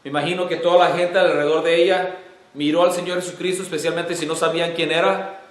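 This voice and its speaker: Man, pastor, earnest emotional sermon, fairly high voice, echoey church. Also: level tone, fast. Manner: earnest, emotional preaching with rising emphasis. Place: church sanctuary.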